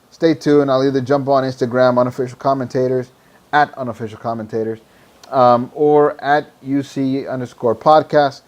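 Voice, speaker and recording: A hoarse, tired man hosting a podcast, rambling loosely through fantasy football picks and swearing freely. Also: mid-range voice, a little mellow. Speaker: podcast host. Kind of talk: casual fantasy football talk.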